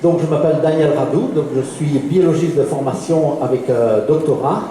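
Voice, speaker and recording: A man's voice: fairly high pitch, moderate pace, mellow, slight background noise. A man in his fifties with a Liège Belgian accent, giving a public lecture in a hesitant way, with many fillers and small chuckles between points. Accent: Liège Belgian French. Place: large lecture hall. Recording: echoey hall with long reverb.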